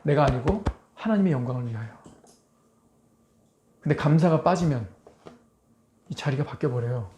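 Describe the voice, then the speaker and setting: A man's voice: medium pitch, animated, normal speed, pauses often, mellow. A male pastor preaching a sermon, emphatic, firing rhetorical questions at the congregation. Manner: acts out quoted voices in dramatic asides.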